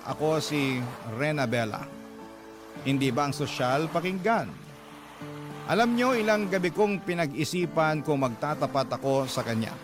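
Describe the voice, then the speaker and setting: A man's voice: on the high side, natural voice. A man voicing a vain, witty older gay man telling his life story in campy slang as a radio letter drama.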